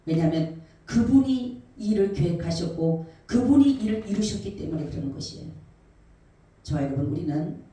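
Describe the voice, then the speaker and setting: A woman's voice: lowish voice, expressive, normal speed. Impassioned woman pastor preaching in an echoey church. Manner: impassioned preaching, acting out cries and quotes with swings of loudness. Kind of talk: sermon. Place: church sanctuary. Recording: roomy echo, voice from far off.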